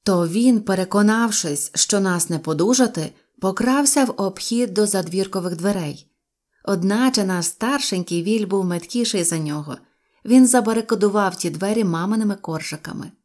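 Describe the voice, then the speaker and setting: Woman narrating a kids story, expressive, mid-pitched voice. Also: moderate pace. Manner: lively expressive reading. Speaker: audiobook narrator.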